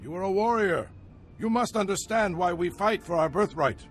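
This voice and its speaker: An actor playing a solemn tribal elder who speaks in a measured, persuasive way. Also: male voice, sits high, animated, slight background noise.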